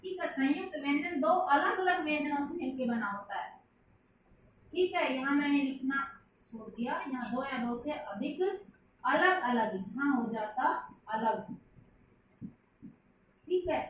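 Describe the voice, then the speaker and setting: A woman with a high voice gives a patient grammar lesson, going over each point again for her young students. She sits back from the microphone. The room rings with heavy echo under a faint hiss. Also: lively intonation, measured pace, pauses often. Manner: patient, repeats points, calls listeners child. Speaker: Hindi teacher. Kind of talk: classroom lesson explaining to children. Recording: very echoey room, mic at a distance, faint hiss.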